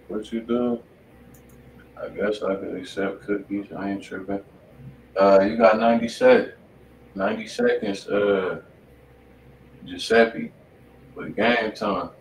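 A low-voiced man runs a live music review stream, talking loose and slangy. He sounds set back from the mic in a roomy home studio, with a faint hiss underneath. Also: fairly even intonation, slow pace, long pauses. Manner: laid-back street slang, loose and conversational. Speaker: radio stream host reviewing submitted music. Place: home studio room at a desk. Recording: roomy and distant with faint noise.

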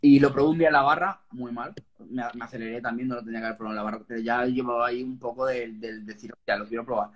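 Fast-talking young man on a webcam. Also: medium pitch, muffled recording. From Spain. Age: 20s. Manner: quick, excitable, repeats words. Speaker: channel host. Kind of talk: casual chat on a live video call. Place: small room indoors. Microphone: webcam on a video call.

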